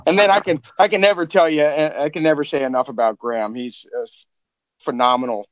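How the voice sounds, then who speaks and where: A man's voice: a little high, fairly even intonation, fairly quick, no room sound, dull audio. A man on a podcast talking casually about a production, rambling and full of fillers as he praises the cast. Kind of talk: casual behind-the-scenes chat.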